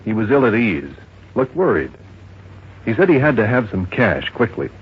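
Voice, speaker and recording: An actor playing a discreet but gossipy small-town jeweler in a 1950s radio drama, explaining things in a measured, confidential way. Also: male voice, lowish voice, sing-song, slightly rough, full character voice. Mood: earnest, discreet. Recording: dull old radio recording, faint noise.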